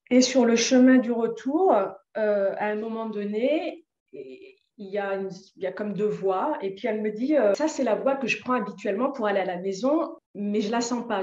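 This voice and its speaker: A woman recounts her own experience in a personal testimony. She hesitates, fills pauses and restarts often. Her voice sits in a mid pitch, in a roomy space with slightly dull, muffled sound. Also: darkish tone. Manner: hesitant, many fillers and restarts. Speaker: interviewee sharing a personal story.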